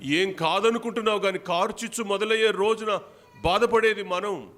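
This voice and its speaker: A man's voice: sits high, normal speed, a bit bright. A man preaching a sermon as pastor, firing repeated rhetorical questions at his congregation. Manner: repeats phrases for emphasis. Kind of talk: Telugu church sermon.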